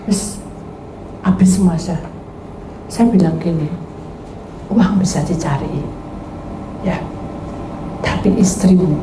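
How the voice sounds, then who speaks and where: A woman's voice: lowish voice, slow, long pauses. A woman pastor, preaching a sermon and telling her own story, acting out conversations and calling out to the congregation. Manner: animated storytelling, acting out dialogues, addresses congregation. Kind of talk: sermon with testimony. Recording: echoey room with faint background noise.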